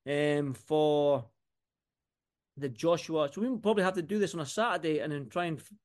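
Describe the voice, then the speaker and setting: High-pitched Scottish man chatting. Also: moderate pace. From Scotland. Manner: rambling, repeats phrases for emphasis. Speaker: boxing podcast co-host. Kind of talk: casual sports chat.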